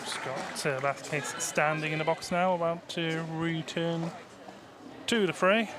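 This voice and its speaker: A man's voice: a little high, fairly even intonation, unhurried, a crowd in the background, background noise. A man with a Welsh accent doing live roller derby commentary on a headset, chatty and self-mocking, sharing anecdotes between plays.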